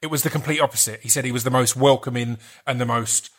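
Man, Essex accent, medium pitch, podcast host, casual interview chat. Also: steady tone, quick pace. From Essex, England.

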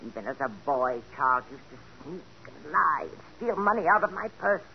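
An actress playing a stubborn, sharp-tongued woman of seventy-nine in a 1940s radio drama. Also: low voice, lively intonation, moderate pace, creaky. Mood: imperious. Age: older. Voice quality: tart, imperious. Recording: muffled old radio broadcast with faint hiss.

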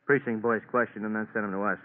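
An actor playing a brisk, blunt police detective in a 1950s radio drama. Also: male voice, fairly low pitch, steady tone, close to an everyday voice. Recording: tinny old radio broadcast.

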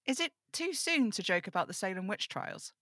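A woman's voice: medium pitch, big pitch swings, fairly quick, pushed and bright, dry recording, clean studio sound. A woman playing a rambling, fretful young amateur occult investigator in an audio drama table read, chatty and self-interrupting, confiding in her listeners. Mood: wry, musing.

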